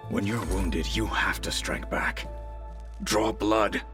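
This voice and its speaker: A man's voice: lowish voice, slow pace. A man voicing a stern, proud, battle-hardened tribal warrior in a video game, speaking tersely and formally over music. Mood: grim urgency. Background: background music.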